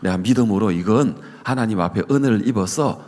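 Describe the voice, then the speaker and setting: A male pastor giving an animated sermon at a summer retreat, quizzing the audience and acting out voices. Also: fairly low pitch, brisk. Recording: long reverb of a large hall.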